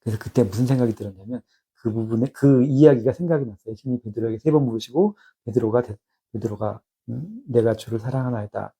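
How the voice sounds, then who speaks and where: A man in his fifties giving a personal spiritual testimony, reflective and halting with many restarts. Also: mid-range voice, dark tone, slightly rough.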